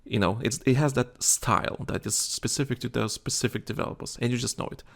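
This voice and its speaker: A man's voice: medium pitch, a little fast, creaky. A tired man co-hosting a casual gaming chat show, rambling with many restarts and fillers. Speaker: podcast co-host.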